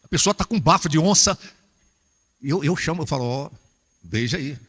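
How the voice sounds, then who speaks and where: A Brazilian man preaching a humorous, animated sermon to church workers, acting out little scenes as he goes. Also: on the high side, normal speed, slightly rough, big-room sound. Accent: Brazilian Portuguese.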